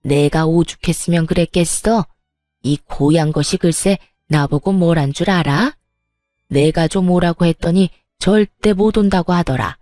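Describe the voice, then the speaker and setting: A woman's voice: on the low side, unhurried, mellow, no echo, clean studio sound, faint music behind, close to an everyday voice. A woman voicing a furious, spiteful older mother-in-law who berates and sneers, in a dramatized story reading. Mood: angry scolding.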